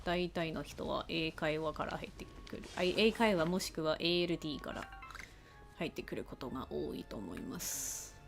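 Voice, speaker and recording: A bilingual woman streams a game, talking fast and chatting casually as she answers chat while playing. She switches between Japanese and English, restating each line. Her voice sits low and is creaky with lively intonation, and music plays in the background.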